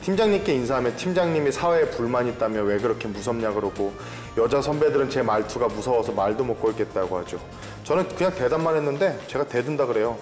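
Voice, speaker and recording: Lively man on a reverberant studio panel. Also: medium pitch, quick pace, faint music behind. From Korea, moved around the country as a child. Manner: animated storyteller who slips into a dialect when excited. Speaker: career consultant on a panel. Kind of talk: reading a letter, then casual panel chat.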